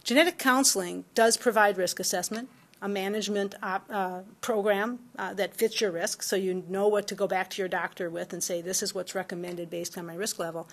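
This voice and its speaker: A woman's voice: mid-range voice, fairly even intonation, fairly quick. A woman speaks as a talk-show guest, explaining things in an informative way. She uses hesitant fillers along the way. Her voice sits in the middle range. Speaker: guest, genetic counselor.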